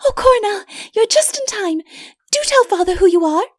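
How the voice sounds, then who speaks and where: A sweet young princess from a fairy-tale audiobook, put on by a woman. Her voice is pitched high, soft and breathy. She speaks gently and coaxingly, as a devoted daughter, in a dry, close recording. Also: lively intonation, normal speed, no room sound. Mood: excited, eager. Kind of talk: audiobook character voice.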